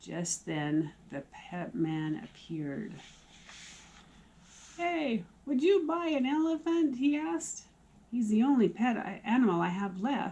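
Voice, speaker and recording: A woman with a dark, mellow tone talks at a fairly high pitch, somewhat breathy, with very wide pitch swings. Her pace is fairly slow, with long, frequent pauses. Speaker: grandmother reading to grandchildren. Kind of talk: children's story reading.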